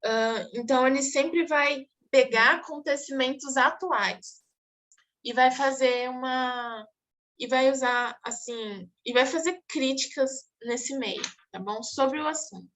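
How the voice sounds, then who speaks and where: Female teacher, slightly high voice, patient explainer who keeps checking the class follows. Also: slow pace, fairly bright tone. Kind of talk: online exam review class.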